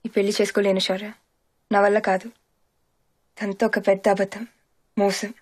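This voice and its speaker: An actress playing a wary, irritable young bride in a film, blunt and grumbling. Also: female voice, mid-range voice, level tone, normal speed, natural voice. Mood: distressed. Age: young adult. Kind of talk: film dialogue, Telugu mixed with English.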